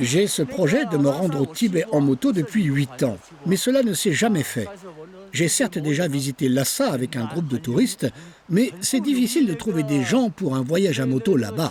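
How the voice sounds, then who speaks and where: Against noticeable background noise, a man talks at a moderate pace. His fairly high voice moves through very wide pitch swings. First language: Chinese (speaking French). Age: 60s. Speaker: retired motorcyclist. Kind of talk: interview.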